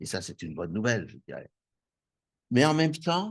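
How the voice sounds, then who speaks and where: At a moderate pace, a man talks in a somewhat breathy voice whose pitch swings very widely. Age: 70s. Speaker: preacher. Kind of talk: sermon. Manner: halting, many hesitations.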